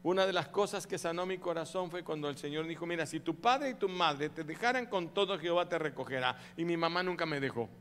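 A pastor preaching a sermon to his congregation, animated and calling out to the audience for responses. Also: fairly high pitch, fairly quick, few pauses, big-room sound, a little hiss or hum. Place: church.

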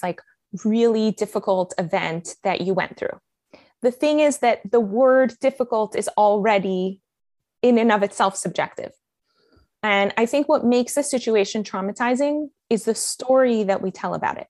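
An American-accented woman from Colombia speaks as a guest in a conversational interview. Her mid-pitched voice is recorded very dry and close, and she tells stories earnestly, with frequent ums and restarts. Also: moderate pace, darkish tone, no echo. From Colombia, raised in Miami. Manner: earnest storytelling with fillers. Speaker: life coach, podcast guest.

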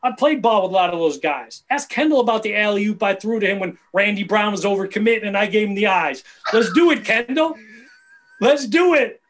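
A man in his fifties talks sports in a blunt, combative, boastful way, as a guest on a talk show. His voice sits high for a man. He sounds heated and sure of himself throughout. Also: expressive, a little fast, a bit bright, slight background noise. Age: 50s. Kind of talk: heated casual sports chat.

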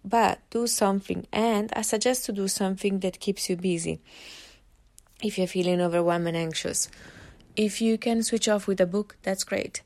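A woman's voice: mid-range voice, fairly even intonation, normal speed, darkish tone. A woman with an Italian accent hosting a solo podcast, giving earnest, encouraging advice with frequent fillers and restarts. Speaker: podcast host.

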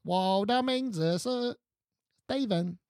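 A man co-hosting a podcast in casual chat, animated and jokey, laughing often. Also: high-pitched, takes it slowly, gravelly, smooth, no room sound, clean studio sound. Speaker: podcast co-host. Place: Seoul, South Korea.

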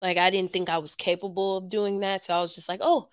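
A young adult woman co-hosting a casual podcast, her voice still a little hoarse while it comes back, relaxed and quick to laugh. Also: mid-range voice, no echo, clean studio sound. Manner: relaxed, laughs easily, acts out quoted talk. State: recovering from lost voice, slightly hoarse. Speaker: podcast co-host. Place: Los Angeles.

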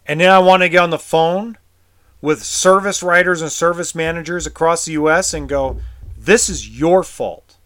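A man's voice: fairly high pitch, fairly even intonation, moderate pace, bright, forceful tone, smooth. A tense man ranting in a vlog as an RV service technician, frustrated and heated, swearing and stammering over repeated words. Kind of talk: vlog rant.

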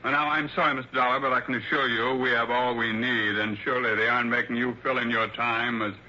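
A man's voice: mid-range voice, little pitch movement, fast, pushed and bright, a little hiss or hum. An actor playing a wealthy male mystery author in his late fifties, gushing and hesitant with fillers, in a 1960s radio drama. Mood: effusive. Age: 50s. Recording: dull lo-fi old radio broadcast.

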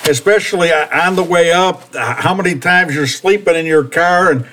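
High-voiced stammering man hosting an interview. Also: normal speed, sharp tone. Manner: rambling, stammers and repeats words, folksy. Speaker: podcast host. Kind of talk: casual interview chat.

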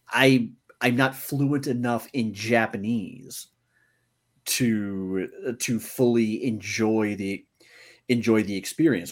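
A man co-hosting a movie review podcast, talking casually and deliberately, often restarting his sentences. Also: on the low side. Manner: deliberate, pausing with repeated restarts.

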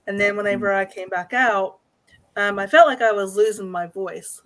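A woman talking through her paranormal investigation experiences at a medium pitch. She hesitates often, filling gaps with "um" as she goes. Her voice comes over a remote call. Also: moderate pace, fairly bright tone. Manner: hesitant, many fillers. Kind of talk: casual podcast conversation.

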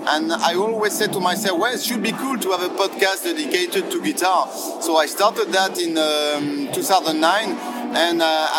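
Male guitar show host, French accent, high register, casual and enthusiastic, hesitant phrasing, loud music behind. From France. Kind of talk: casual interview chat.

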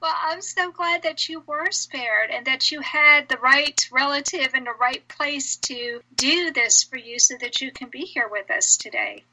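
High bright-voiced woman radio host. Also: animated, a little slow, hardly any pauses, poor audio. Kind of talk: interview hosting.

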